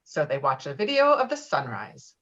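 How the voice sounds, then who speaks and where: A woman's voice: deep voice, wildly swooping pitch, normal speed, fairly bright tone. A woman reading screenplay stage directions in an online table read, over lo-fi call audio. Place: remote video-call reading. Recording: dull, lo-fi video-call audio.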